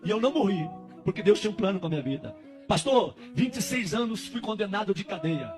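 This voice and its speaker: A male pastor, preaching a testimony sermon with fervor that rises to shouts. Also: sits high, lively intonation, fast talker. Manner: fervent preaching, rising to shouts. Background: music.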